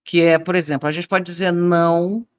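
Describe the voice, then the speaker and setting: A woman's voice: normal speed, clear, resonant tone, dry recording. Expert woman, demonstrating tones, dry dull lo-fi recording. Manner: demonstrates intonation, lively shifts between low and high tones. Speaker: speech and voice expert. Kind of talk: explanatory conversation.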